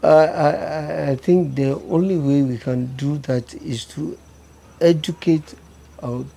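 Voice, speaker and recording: An older man with a Ghanaian English accent speaks on an outdoor terrace through a clip-on mic. His voice is dark and gravelly, and he takes his time, repeating words as he gathers his thoughts. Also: a little high, fairly even intonation. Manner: slow, deliberate, repeats words. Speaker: livestock farmer guest. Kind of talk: interview answers. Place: outdoor terrace with hills behind. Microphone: lapel mic.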